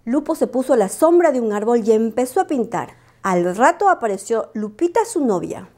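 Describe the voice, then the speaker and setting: A woman reading a children's bedtime story aloud, expressive and animated. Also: fairly high pitch, moderate pace.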